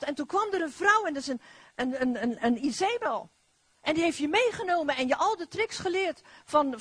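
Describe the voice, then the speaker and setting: Woman preacher, middle-aged, charismatic sermon, swooping high voice, exclamatory. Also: no echo. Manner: animated, exclamatory, repetitive phrasing.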